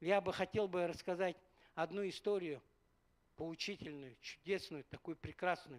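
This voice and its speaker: Recorded very cleanly against a silent background, a man with a high pitch speaks at a fairly slow pace with long, frequent pauses and ordinary pitch variation. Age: 60s. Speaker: pastor. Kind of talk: sermon.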